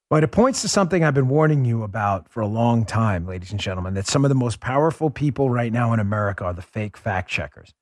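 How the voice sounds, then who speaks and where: A middle-aged man hosting a political talk podcast, speaking emphatically into a studio microphone, calling his listeners folks and dropping his voice low for emphasis. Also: no room sound. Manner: emphatic, swings loud and quiet for emphasis; addresses listeners directly as folks. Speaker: podcast host. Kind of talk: political talk show monologue.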